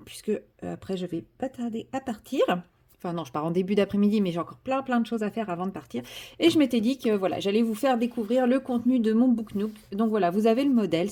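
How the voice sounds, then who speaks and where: A woman chatting casually to her viewers from home, her voice mellow and relaxed. She talks in loose, hesitant runs full of fillers and restarts, warming into enthusiasm as she unpacks a craft kit. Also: a little high. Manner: chatty, hesitant with many fillers, self-correcting. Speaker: vlogger. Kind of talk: casual vlog chat.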